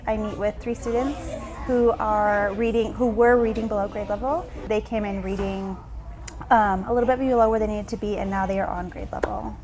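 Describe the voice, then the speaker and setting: A woman teacher speaks in an earnest, chatty way. She fills her pauses with small sounds as she talks. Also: medium pitch, noisy background. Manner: earnest, with frequent fillers. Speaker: reading intervention teacher. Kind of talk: interview answer.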